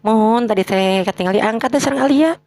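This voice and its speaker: A woman's voice: a little high, fast talker, a little mellow, no echo, voice pushed up, natural voice. Someone voicing a chatty, nosy Sundanese shopkeeper woman. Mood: curious, gossipy. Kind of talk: acted dialogue in a Sundanese storytelling.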